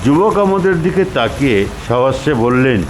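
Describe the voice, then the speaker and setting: Brief: older storyteller, lively melodic reading, noticeable hiss behind. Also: male voice, mid-range voice, reverberant, in a large hall. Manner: expressive, unhurried reading with acted voices. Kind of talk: reading a ghost story aloud. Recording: background noise.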